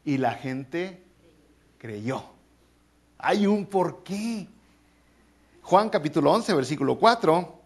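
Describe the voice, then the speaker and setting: A man preaching a sermon as pastor, animated, with playful asides and mock voices. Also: fairly high pitch, takes it slowly, long pauses, breathy edge.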